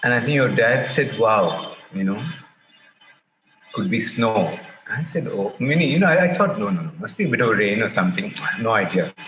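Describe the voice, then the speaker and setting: A man with a fairly high pitch speaks at a moderate pace, his pitch swinging very widely. Audible room echo surrounds his voice. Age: 60s. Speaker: cinematographer. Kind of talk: casual chat. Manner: halting.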